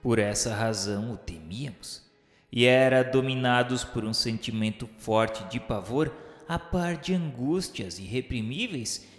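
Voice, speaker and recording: A man's voice: medium pitch, unhurried. Solemn Brazilian male narrator in cavernous reverb. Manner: solemn, formal, literary diction. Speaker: narrator of a radio novel. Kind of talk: dramatic scripted first-person narration. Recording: echoey hall reverb with music. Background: music.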